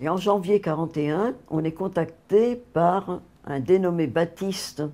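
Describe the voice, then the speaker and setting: Dark and mellow, a woman's voice sits at a fairly low pitch. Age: 80s+. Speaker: former mayor and resistance veteran. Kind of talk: testimony. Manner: halting.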